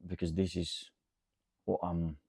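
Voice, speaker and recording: A man with a Bulgarian accent and a very deep, gravelly voice, recorded dry and close. He talks off the cuff like a coach hosting a question session, rambling and checking that listeners follow. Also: little pitch movement, slow, a little mellow, no echo. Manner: rambling, checks understanding with frequent "okay?". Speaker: coach and host answering audience questions. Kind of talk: casual unscripted talk to camera.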